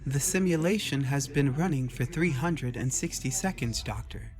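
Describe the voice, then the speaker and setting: A man's voice: medium pitch, normal speed, a little mellow, soft background music, close to an everyday voice. A man voicing a polite, ghost-like female AI assistant with a formal, precise way of reporting, in a sci-fi story. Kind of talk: acted dialogue in narrated sci-fi story.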